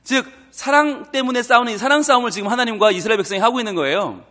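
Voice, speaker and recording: A man's voice: extremely high pitch, rapid-fire, bright, forceful tone. A middle-aged man with a Busan Gyeongsang Korean accent, a pastor preaching an early-morning prayer sermon. He asks the congregation rhetorical questions and acts out the quarrelsome dialogue he describes.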